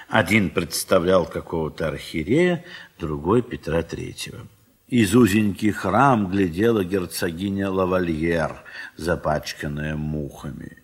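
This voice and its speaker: Husky, low-voiced male storyteller. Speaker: narrator. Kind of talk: literary narration of a classic story for an audio play. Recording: 1970s mono studio recording.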